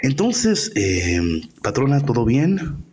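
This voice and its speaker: A man hosting a casual chat show, playful and quick to laugh, dropping in English words, recorded in an echoey house with high walls. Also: huge pitch swings, darkish tone, a little hiss or hum. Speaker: podcast host. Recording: echoey room.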